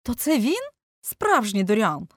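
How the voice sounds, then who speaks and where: A woman voicing an eager, naive young man who speaks in bright, excited exclamations well above her own voice. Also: high voice, brisk, no room sound, studio quality, voice pushed up.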